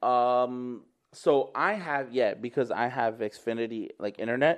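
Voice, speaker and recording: A man with a plain, everyday voice and ordinary pitch variation. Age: 30s. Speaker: podcast co-host. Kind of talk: casual chat.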